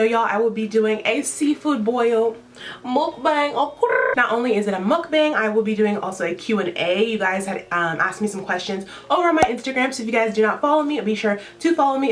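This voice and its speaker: A young woman chatting casually on camera at home, talking loose and slangy while eating, recorded on a tripod camera. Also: medium pitch. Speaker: vlogger. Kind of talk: casual mukbang chat.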